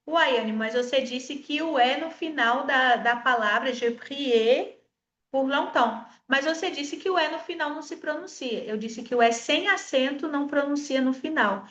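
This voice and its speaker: High-voiced Brazilian teacher in echoey room. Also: female voice, a bit bright, highs cut off. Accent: Brazilian Portuguese, Espírito Santo. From Brazil, Espírito Santo. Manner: explains patiently, coaxes viewers to repeat sounds; models French words slowly. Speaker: French teacher. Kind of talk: online language lesson.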